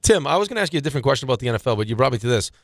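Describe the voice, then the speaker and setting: Fast-talking sports radio host. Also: male voice, mid-range voice, big pitch swings, dry recording, clean studio sound. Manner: quick, loose questioning. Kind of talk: casual sports radio chat. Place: radio studio.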